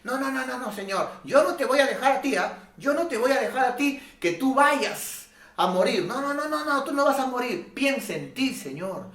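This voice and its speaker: Picture a panicked apostle Peter, put on by a man preaching, his voice pushed much higher and louder than the preacher's own as he begs and protests over and over. It sounds roomy and echoing, heard from some distance from the mic. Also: animated, moderate pace, exaggerated voice. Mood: frantic pleading. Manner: pleading, insistent, repeats no no no. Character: pleading apostle Peter, frantic adult man. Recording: echoey room, voice off-mic.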